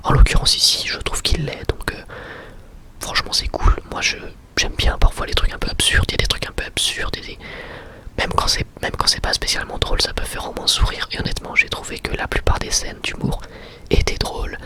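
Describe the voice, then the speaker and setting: A man whispering a casual ASMR review in a breathy, unvoiced voice, chatting informally and often rephrasing himself as he goes. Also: fairly quick. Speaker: ASMR video creator and anime reviewer.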